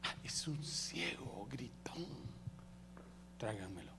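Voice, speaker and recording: A man voicing a calm, commanding Jesus figure who speaks quietly. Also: medium pitch, slow pace, pitched below the performer's own voice. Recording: long reverb of a hall with faint hum.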